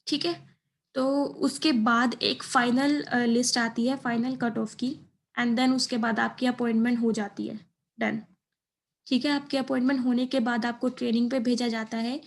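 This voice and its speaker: A woman's voice: a little high, fairly even intonation, a little slow, vocal fry. A woman giving an informal exam-preparation explainer, mixing in English terms and often checking in with a short tag phrase. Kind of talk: informal explainer lesson over slides.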